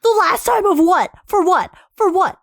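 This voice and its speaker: A woman's voice: extremely high pitch, animated, moderate pace, vocal fry, no echo, clean studio sound. A woman streaming a game with live, slangy, emotionally invested reaction commentary.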